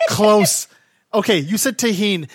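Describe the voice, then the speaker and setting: A man's voice: high-pitched, unhurried, very noisy. A man co-hosting a podcast, running a quiz game in a playful, hyping way with many fillers. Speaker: podcast co-host, quiz master. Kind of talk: casual chat.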